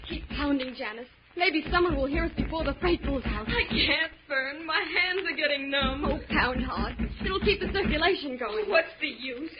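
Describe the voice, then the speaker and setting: Woman acting a desperate, very high-voiced captive. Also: moderate pace, hardly any pauses, close to an everyday voice. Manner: pleading, emphatic, melodramatic. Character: desperate, pleading young woman held captive. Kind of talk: 1940s radio melodrama acting. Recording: muffled, noisy old radio, music behind.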